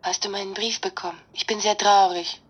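An actress playing a sorrowful, romantic and evasive online sweetheart from Russia in a German radio drama, emotional and imploring. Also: female voice, medium pitch, fairly even intonation, fairly quick, slightly rough, close to an everyday voice. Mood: hurt, pleading.

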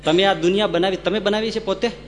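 A man's voice: sits high, fairly even intonation, fast, big-room sound, noisy background. A man giving a humorous religious discourse, acting out characters and chanting Sanskrit verses. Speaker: religious storyteller.

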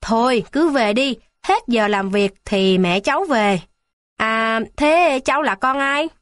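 A woman voicing a stern male hospital gate guard in a children's storybook, in a gruff scolding manner. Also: fairly high pitch, animated, slow pace, no room sound, studio quality. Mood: gentle. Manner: gruff scolding, softening later.

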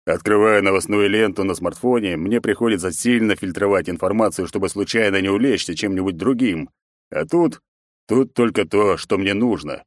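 A stern, weary emperor, as a man reading the story voices him, with a commanding, fatherly manner. The voice is low. The sound is close and dry. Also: normal speed, no echo, close to an everyday voice.

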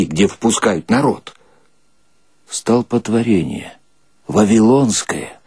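A man's voice: fairly low pitch, a little mellow, husky, dry recording, clean studio sound, full character voice. A man playing a naive, illiterate soldier who tells a comic story in a folksy, colloquial, simple-hearted way. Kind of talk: dramatic reading of a comic short story.

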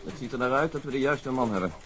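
An actor playing a calm, courteous, probing police detective in a naturalistic radio drama. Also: male voice, medium pitch, natural voice. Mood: pensive. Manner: measured, polite, matter-of-fact.

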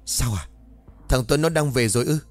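A man voicing a cruel, sharp-tongued older woman who rules a household, in a spoken ghost story. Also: mid-range voice, moderate pace, faint music behind, close to an everyday voice. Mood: flustered. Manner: harsh, sharp-tongued scolding.

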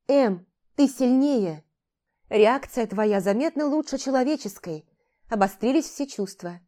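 A wise male talking cat from a fantasy storybook, read by a woman, calm and lecturing with a dry, teasing edge. The voice sits mellow and dark in tone, never rushed, patiently explaining hard truths. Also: mid-range voice, natural voice. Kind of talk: audiobook character voicing.

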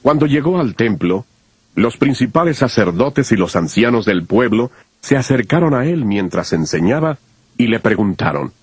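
A man narrating dramatized scripture in a measured, expressive way. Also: mid-range voice, husky, no room sound.

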